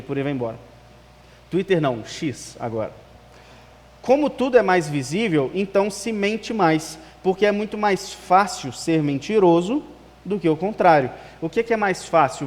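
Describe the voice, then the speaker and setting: Echoing through an amplified church hall, a male pastor with a higher voice and a mineiro-sounding Minas Gerais Brazilian Portuguese accent delivers a sermon to the congregation. He comes from Espírito Santo, Brazil, and talks conversationally, leaning on rhetorical questions and the tag "né".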